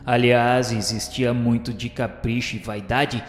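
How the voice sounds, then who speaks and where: A man acts out a vengeful former inquisitor in a radio drama, confessing his cruelty with solemn, theatrical weight. His delivery is very slow and deliberate. The voice rings with long reverb over a bed of music. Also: medium pitch, flat delivery, close to an everyday voice. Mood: cruel, remorseful. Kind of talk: dramatic scripted radio-novela narration. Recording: roomy reverberant studio, music underneath.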